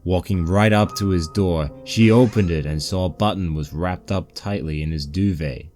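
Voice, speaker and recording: A man's voice: low-pitched, moderate pace, darkish tone. A man reading a fan fiction story aloud as scripted narration. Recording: poor-quality mic with music bed.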